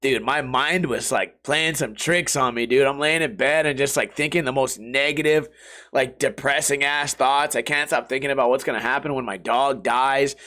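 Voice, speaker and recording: A man's voice: medium pitch, steady tone, moderate pace, sharp tone. A young man from the United States hosting his podcast while sick and half out of voice, rambling casually in slang and swear words. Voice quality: hoarse, rough voice. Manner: slangy and profane, drifting between topics. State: sick, voice partly lost. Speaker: podcast host.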